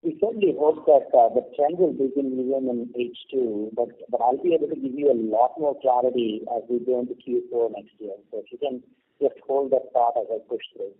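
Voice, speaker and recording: A man with a rough-edged, husky voice speaks as an executive answering analysts. He is measured and explanatory. His voice comes through a thin, phone-like connection. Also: mid-range voice. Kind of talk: earnings call answers. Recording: muffled, narrow phone conference line.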